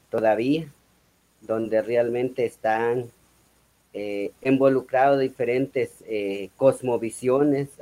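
Mellow-voiced man, K'iche'. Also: medium pitch, low-quality recording. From Guatemala. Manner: measured, repetitive, with frequent "eh" fillers. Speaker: guest, Maya spiritual speaker. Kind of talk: reflective explanation.

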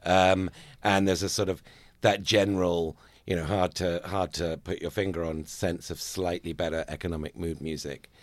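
A man speaking as a panel guest in a casual chat, measured and analytical. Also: low voice, fairly even intonation, dry recording.

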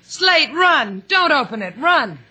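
An actress playing a spirited young American adventuress who speaks directly, in a vintage radio drama. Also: female voice, sits high, sing-song, takes it slowly, sharp tone, heavily acted. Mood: alarmed. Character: gutsy young American sidekick girl in danger. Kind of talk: 1950s radio drama acting. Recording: vintage 1950s radio, music behind.

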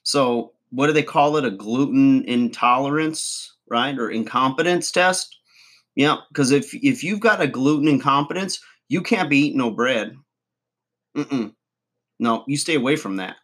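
A folksy redneck guru rambles through a comic advice show, as a man plays him. He chuckles, trails off and mangles big words. His voice sits at an everyday middle pitch. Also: animated, measured pace, a bit bright. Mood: boastful rambling. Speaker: comedy channel host. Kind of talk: comic monologue to camera.

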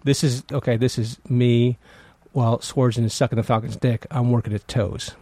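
A man's voice: mid-range voice, fairly even intonation, moderate pace, warm tone, slight background noise. A man co-hosting a podcast, trading casual, joking banter. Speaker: podcast host.

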